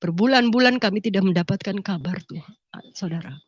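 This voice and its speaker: A woman's voice: mid-range voice, fairly quick, no room sound. A middle-aged woman giving an emotional church testimony, tearful and sniffling, often turning to her listeners as brothers and sisters. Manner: addresses listeners as "saudara", voice breaking with grief. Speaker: testimony speaker. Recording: dull lo-fi dry recording.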